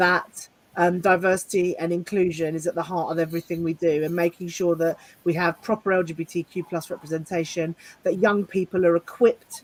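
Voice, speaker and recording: The woman speaks at a medium pitch and a moderate pace. The sound is dry and close, with no echo. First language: not English. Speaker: activist and charity trustee. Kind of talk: panel talk. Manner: halting, many fillers; animated.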